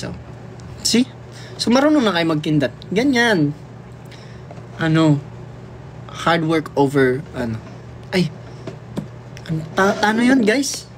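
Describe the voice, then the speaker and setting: A young man from the Philippines hosts a casual livestream into a phone, with a voice that sits a little higher than most men's. He chats in a playful, easygoing way, reading viewer comments aloud and answering them, and he hops between languages mid-sentence. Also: a little hiss or hum. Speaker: livestream host.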